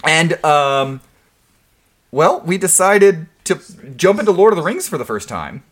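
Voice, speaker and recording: A man's voice: fairly high pitch, very animated, unhurried, a bit bright. A man co-hosting a casual gaming podcast, rambling and restarting his sentences. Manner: rambling, frequent restarts and fillers. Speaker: podcast co-host.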